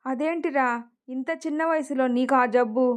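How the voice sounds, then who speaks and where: A woman voicing a caring middle-aged aunt who speaks gently in an emotional story reading. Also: sits high, normal speed, clear, resonant tone, lightly acted. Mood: concerned.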